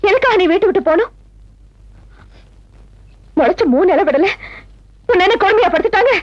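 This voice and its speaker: An agitated woman in a film melodrama who fires off worried questions in a very high voice that swings widely. The sound is dry and muffled, with faint music underneath. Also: lively intonation, moderate pace, no room sound.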